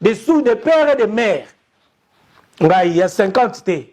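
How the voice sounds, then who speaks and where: High-voiced young Congolese man urging listeners. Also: big pitch swings, takes it slowly, darkish tone. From Democratic Republic of the Congo. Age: young adult. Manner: urgent, repetitive, rallying appeals to listeners. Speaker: online TV commentator. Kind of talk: impassioned commentary to camera.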